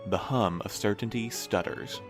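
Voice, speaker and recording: A man's voice: fairly low pitch, normal speed, lightly acted. A man performing a scripted audio drama intro as a solemn, mysterious announcer. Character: solemn, mysterious radio-play announcer of a strange city. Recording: music behind the voice.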